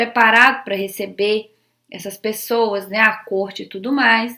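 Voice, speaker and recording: Fairly high in pitch, a woman's voice has a bright, sharp tone. She speaks very slowly with fairly even intonation. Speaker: history teacher. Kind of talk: lecture.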